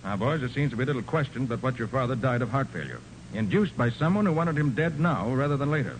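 An actor playing a brisk, confident male private detective in a 1940s radio crime drama. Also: medium pitch, expressive, natural voice. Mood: authoritative. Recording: noisy 1940s radio recording.

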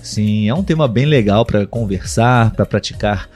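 A man from Brazil hosts a live podcast for people learning Portuguese. He speaks slowly and deliberately, often saying the same thing two ways. His voice is mellow and dark, and soft music plays faintly behind him. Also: fairly low pitch. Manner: slow, deliberate, repeats and rephrases for learners. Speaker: podcast host.

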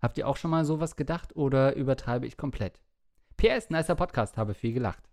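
A man hosting a podcast, moving between casual chat and reading listener letters aloud. His tone is dry and matter-of-fact with a teasing edge, at an ordinary male pitch. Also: brisk, a little mellow.

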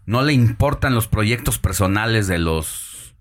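A man with a Mexican accent hosting a live radio news show, giving measured, opinionated commentary. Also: lowish voice, animated. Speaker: radio news host and columnist.

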